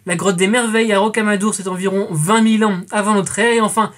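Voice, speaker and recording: A woman's voice: medium pitch, fairly even intonation, quick pace. A woman in her twenties hosting a scripted educational quiz, chatty and playful, calling her viewers friends and adding jokey asides. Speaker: quiz show host.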